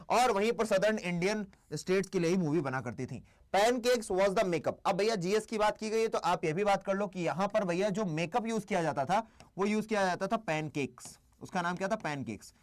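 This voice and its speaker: A young man teaching an English exam lesson on a live stream. He talks in a chatty way, quizzes himself aloud, mixes Hindi and English, and slows down to dictate key points. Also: high voice.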